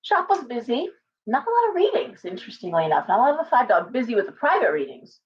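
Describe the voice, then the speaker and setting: A middle-aged woman, a tarot reader, chatting casually on a livestream from her living room, hoarse from coughing and rambling with many restarts. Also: a little high, very animated, fast talker. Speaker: tarot reader and shop owner. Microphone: webcam at desk distance. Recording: slightly dull lo-fi webcam audio.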